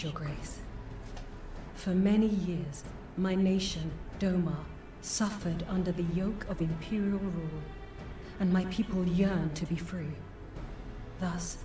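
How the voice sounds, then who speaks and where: A woman playing a dignified, solemn noblewoman in a fantasy game, speaking formally and with measured courtesy. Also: fairly low pitch, natural voice. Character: dignified, solemn foreign noblewoman pleading for refugees. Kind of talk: scripted fantasy game acting. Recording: roomy, distant game audio under music.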